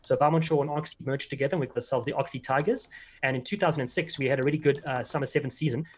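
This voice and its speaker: A man's voice: medium pitch, fairly even intonation, rapid-fire, breathy edge. A South African man telling rambling anecdotes as a guest in a casual interview, full of fillers and restarts, over a video call. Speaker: guest, former player and commentator.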